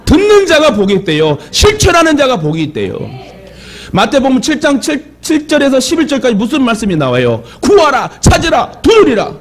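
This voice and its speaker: A man's voice: very high voice, huge pitch swings, a little fast. A male pastor with a Jeolla Korean accent, preaching a sermon with joking asides and calls for amens. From Jeolla region of Korea. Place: church sanctuary.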